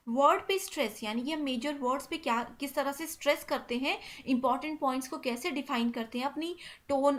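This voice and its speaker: A young woman delivers an exam-prep lecture with a high, light voice. She works through the material in a steady explanatory tone, dropping in English terms and pausing on a quick "theek hai" as she moves between points. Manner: repeats "ठीक है" constantly, mixes English terms into Hindi.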